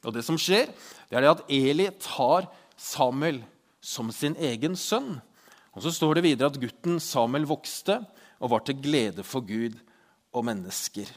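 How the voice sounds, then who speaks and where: A man's voice: mid-range voice, expressive. A man giving a Bible lesson who reads scripture aloud and explains it in a chatty way, asking the listener questions. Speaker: Bible teacher.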